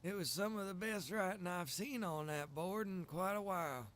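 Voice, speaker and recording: A man's voice: high-pitched, moderate pace, fairly bright tone. A man in casual roleplay chat, talking in a folksy, agreeable and encouraging way. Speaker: player in a zombie survival roleplay server.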